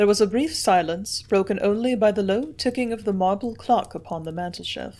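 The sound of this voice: The speaker's pitch varies by ordinary amounts in an unforced reading voice.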